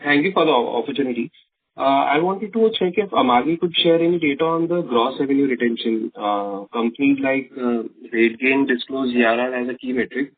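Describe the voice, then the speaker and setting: A man with a slightly husky voice asks a polite, hesitant question on an earnings call. The sound is dry and tinny, like a phone line. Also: medium pitch, fairly quick, no echo. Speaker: analyst asking a question.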